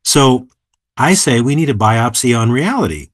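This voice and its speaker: A man in his seventies, an author and philosopher, explaining ideas in a measured, emphatic way during an interview. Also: medium pitch, big pitch swings, no echo, clean studio sound. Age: 70s. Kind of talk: interview conversation.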